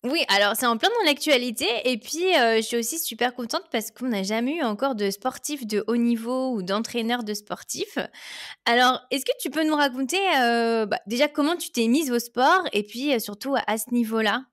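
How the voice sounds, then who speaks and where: A woman's voice: a little high, moderate pace, fairly bright tone, no room sound, studio quality. A woman hosting a podcast, reading a scripted intro and asking interview questions with an upbeat manner. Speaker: podcast host.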